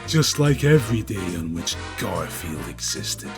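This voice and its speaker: A man's voice: low voice, very animated, a little slow. A man delivering scripted narration in a pompous, overwrought mock-epic style, as a grandly dramatic storyteller. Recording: music behind the voice. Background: prominent music.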